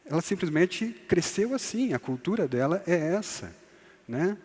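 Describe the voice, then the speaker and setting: A man's voice: high voice, very animated, unhurried, a little mellow, slightly rough. A man teaching a church couples course in a conversational way, often tagging his sentences with a questioning "né?". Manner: conversational, tags lines with "né?", acts out quoted voices. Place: church hall. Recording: long hall reverb.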